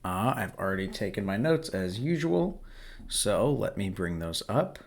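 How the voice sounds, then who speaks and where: A man with a hoarse, worn-out voice from yelling, casually talking over game footage and explaining what to practice. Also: lowish voice, unhurried. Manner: relaxed, explanatory, coaching tone. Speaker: host.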